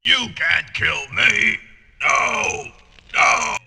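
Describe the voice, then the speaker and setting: An actor playing a hideous, menacing monster villain in a video game, with theatrical drawn-out delivery. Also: male voice, on the high side, lively intonation, vocal fry, bright, forceful tone, a little hiss or hum, heavily acted. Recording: video game cutscene audio.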